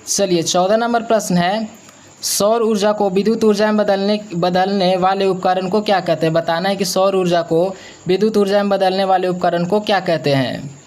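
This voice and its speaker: A man's voice: high voice, steady tone, moderate pace, a little mellow. A young man teaches as an exam coach, going through questions and answers with repetitive, emphatic explanation.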